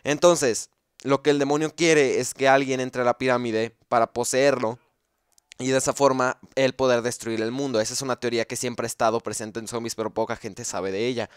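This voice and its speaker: Guy explaining game lore off the cuff, lots of ums and restarts, clean smooth voice, dry close mic. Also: mid-range voice, fairly even intonation, fairly quick, dry recording. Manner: thinks aloud, with frequent fillers and restarts. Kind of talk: casual explanatory commentary.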